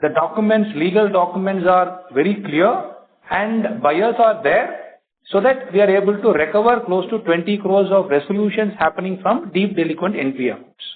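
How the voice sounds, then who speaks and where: A man, a company executive answering analysts' questions on an earnings call, explaining in halting steps with many fillers. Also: sits high. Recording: tinny phone line.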